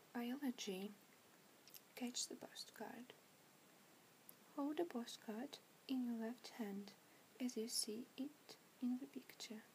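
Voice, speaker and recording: A woman whispers at a very slow pace. Long, frequent pauses break up her words. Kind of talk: ASMR book reading. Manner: whispered.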